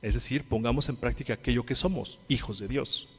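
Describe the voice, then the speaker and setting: Mexican male pastor, mid-range voice, preaches with questions, loud then hushed, long church reverb. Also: fairly quick, slightly rough. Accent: Mexican Spanish. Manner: preaching with rhetorical questions and call-and-response; swings between loud emphatic lines and quiet low ones. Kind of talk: sermon.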